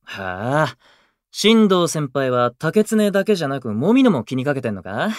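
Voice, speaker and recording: An actor playing a brash, cocky young male idol in a Japanese voice drama, with blunt, swaggering, rough speech. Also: on the high side, very animated, moderate pace, no room sound, studio quality. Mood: teasing, irritated. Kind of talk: Japanese anime-style voice drama acting.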